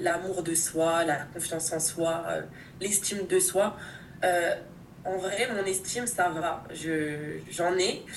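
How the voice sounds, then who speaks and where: A woman with fairly even intonation, heard with audible room echo. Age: 20s. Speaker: coaching client. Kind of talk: testimony.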